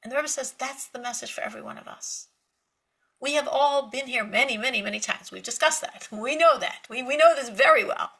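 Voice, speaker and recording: A woman giving a spiritual Torah lecture, telling stories with lively emphasis, repeating words and laughing lightly between points. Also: sits high, a little fast, gravelly, slightly rough. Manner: animated storytelling with emphatic repetition. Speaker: Torah teacher.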